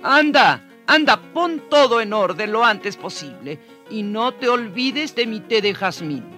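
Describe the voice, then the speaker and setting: A man's voice: high-pitched, expressive, measured pace, sharp tone, soft background music, pitched above the performer's own voice, heavily acted. A man voicing a grumpy, bossy husband who scolds his wife in a children's radio story. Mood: scolding. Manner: scolding, demanding.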